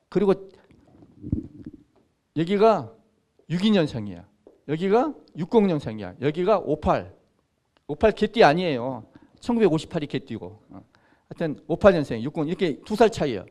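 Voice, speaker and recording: An older man in his sixties lectures on history to a live audience. His delivery is animated, his pitch swinging widely as he checks in with listeners. The voice is warm and mellow rather than bright. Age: 60s. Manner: conversational, asks the audience questions. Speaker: Jesuit priest lecturer. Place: lecture room.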